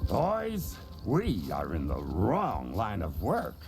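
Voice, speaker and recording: A man's voice: fairly low pitch, wildly swooping pitch, takes it slowly, music in the background, heavily acted. A man voicing a weary, wisecracking crocodile detective in a dramatic hard-boiled noir drawl. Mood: gruff, bossy.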